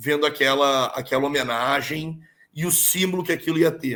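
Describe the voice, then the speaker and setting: A man with a southern Brazilian accent at a moderate pace, fairly high pitch and ordinary pitch variation, bright, sharp tone, in a very clean recording over a silent background. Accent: gaúcho Brazilian Portuguese. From Rio Grande do Sul, southern Brazil. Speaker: motor racing event executive. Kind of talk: interview.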